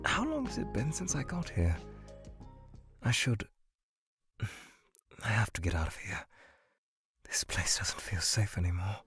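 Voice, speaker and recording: A man voicing a formal, anxious male skeleton scientist who is lost in a void, speaking in a measured way that can turn frantic and pleading. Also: lowish voice, wildly swooping pitch, a bit bright, slightly rough, heavily acted. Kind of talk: fan audio drama. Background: music.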